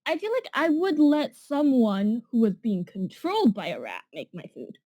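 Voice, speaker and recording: A woman's voice: a little high, very animated, moderate pace, dark tone, no room sound. A young woman with a Canadian accent co-hosting a casual podcast, answering with dry quips. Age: young adult. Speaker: podcast co-host.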